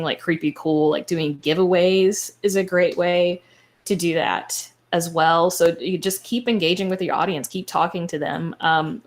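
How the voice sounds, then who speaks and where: A woman speaking as a podcaster on a panel, giving informal, explanatory advice in a conversational way. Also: low-pitched.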